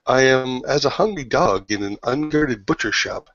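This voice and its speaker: A man's voice: mid-range voice, expressive, normal speed, fairly bright tone, no room sound. A man voicing a formal, bewildered male traveler who speaks stiffly and without contractions, on a dry lo-fi recording.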